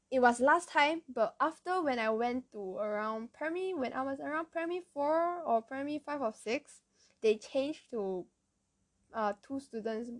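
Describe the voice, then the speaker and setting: A young woman with a Malaysian accent telling personal stories in casual, colloquial Malaysian English as the host of an episode. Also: a little high. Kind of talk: casual chat, personal storytelling.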